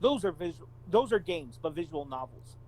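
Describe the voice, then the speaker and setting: A man talks as a podcast co-host in a very animated voice, his pitch moving up and down a lot. He is blunt and emphatic, repeating phrases as he gives casual opinions. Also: normal speed, low-quality recording. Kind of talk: casual opinionated chat about video games.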